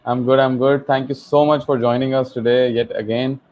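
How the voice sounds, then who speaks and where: A man's voice: medium pitch, little pitch movement, a little fast. Pakistani accent guy hosting an online session, explains n rephrases, kinda dull lofi call audio. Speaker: host, HR professional. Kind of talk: informal live session hosting.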